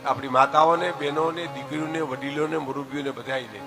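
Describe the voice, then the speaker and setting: A man's voice: a little high, steady tone, fairly quick, over loud music. An older man with a Gujarati accent, telling folk stories and giving moral advice to an audience, often calling them "saheb" and reciting couplets with emphasis. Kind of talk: dayro folk storytelling and moral talk.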